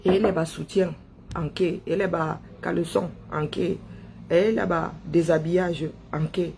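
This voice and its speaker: A man's voice: fairly high pitch, fairly even intonation, unhurried, creaky, background noise. A man from Cameroon, giving an impassioned political monologue full of emphatic repetition and rhetorical questions. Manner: emphatic, rhetorical questions, repeats phrases for effect. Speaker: online political commentator.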